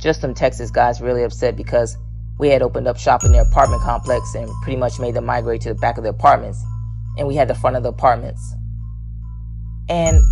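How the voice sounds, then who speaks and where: Fairly quick male speech over background music. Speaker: voice narrator. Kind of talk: reading of court testimony transcript.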